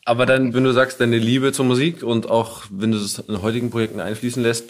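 A man's voice: mid-range voice, little pitch movement, fairly quick. A man hosting a casual interview podcast, asking questions and giving short, informal, slangy reactions.

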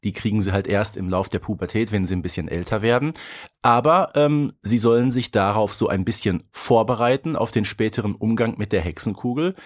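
A man's voice: on the low side, brisk. A man co-hosting a podcast, talking casually and conversationally about audio dramas. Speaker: podcast co-host.

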